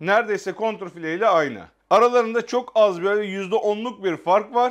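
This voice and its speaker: Over a quiet background, a man speaks at a moderate pace with a high pitch. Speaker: cooking channel host. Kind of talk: tutorial. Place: kitchen.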